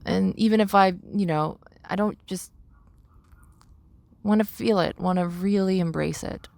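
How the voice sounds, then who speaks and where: A young adult woman talking through personal reflections as a podcast host, halting and searching for words as she repeats phrases. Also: medium pitch, creaky, a little mellow, no echo.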